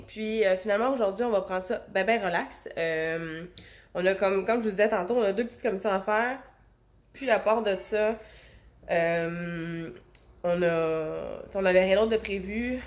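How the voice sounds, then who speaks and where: A woman in her thirties with a Québécois French accent, chatting casually to her phone at home. She has a cold, so she sounds nasal and stuffed up, and she rambles with lots of fillers. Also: mid-range voice. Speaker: vlogger, stay-at-home mom. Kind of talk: casual chat to camera. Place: home, indoors. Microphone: handheld phone.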